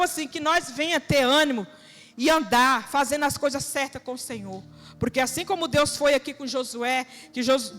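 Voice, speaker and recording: A high-pitched woman preaches to a congregation, urging and questioning in plain colloquial speech. Her voice rings through a reverberant church hall, with soft music underneath. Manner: earnest, exhorting, colloquial, with rhetorical questions. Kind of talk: sermon.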